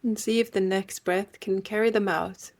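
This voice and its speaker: Female meditation guide, medium pitch, gentle and unhurried delivery with generous pauses. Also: steady tone.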